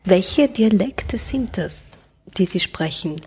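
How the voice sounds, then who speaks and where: Woman interviewer, very husky breathy voice, mellow tone, probing questions. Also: mid-range voice, lively intonation, slow. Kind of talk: radio-style interview.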